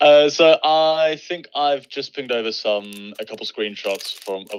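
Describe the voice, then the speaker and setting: This man speaks with a British accent. His pitch varies in an ordinary way. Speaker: wholesaling student asking about a deal. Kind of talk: casual call-in Q&A.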